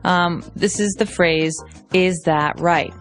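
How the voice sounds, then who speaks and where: A woman's voice: lowish voice, slow pace, faint music behind. A woman co-hosting an English lesson podcast, explaining phrases with examples. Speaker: co-host, English teacher. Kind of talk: language lesson podcast chat.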